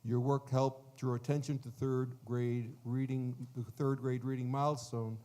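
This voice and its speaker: A man moderating a conference panel, introducing the guests formally in a measured way with frequent fillers. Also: mid-range voice, level tone, dark tone.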